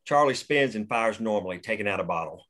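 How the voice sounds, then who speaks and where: A man reading the action lines of a screenplay aloud at a table read, steady and plain. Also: lowish voice, quick pace. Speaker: narrator reading stage directions.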